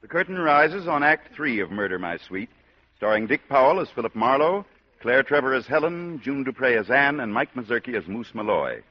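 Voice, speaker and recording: A man's voice: mid-range voice, lively intonation, moderate pace. A male announcer introducing a 1940s radio drama in a formal, declaiming manner. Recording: dull lo-fi old radio broadcast.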